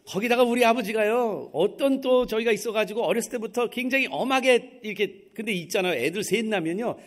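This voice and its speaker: A middle-aged man preaching a sermon in a church, telling a personal story and acting out the voices of the people in it. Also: high voice. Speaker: pastor. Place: church sanctuary.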